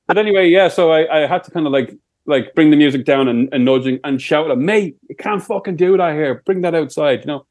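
A young Irish man co-hosting a podcast, telling stories in a sweary, animated way. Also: on the high side, moderate pace. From Ireland. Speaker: podcast co-host. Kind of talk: casual chat.

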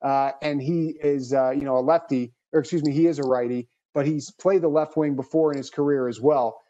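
A man hosting a sports podcast, delivering measured, analytical narration. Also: fairly high pitch, steady tone, dark tone, dull audio. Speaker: podcast host.

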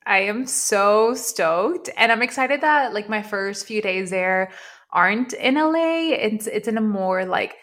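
A woman's voice: medium pitch, expressive, a little slow, a bit bright. A young woman from Venezuela co-hosting a podcast, chatting casually and thinking aloud in a reflective way. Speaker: podcast co-host. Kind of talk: casual chat.

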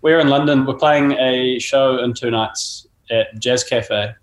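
A man's voice: medium pitch, steady tone, unhurried, reverberant, low-quality recording. A man in a band guesting on a podcast over a remote call, speaking in a friendly, plain way. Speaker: musician guest. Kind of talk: casual interview chat.

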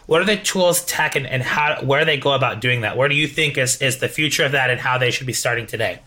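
Bright-voiced energetic male host. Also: medium pitch, quick pace. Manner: energetic, repeats words, tag questions. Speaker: podcast host. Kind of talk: casual interview chat.

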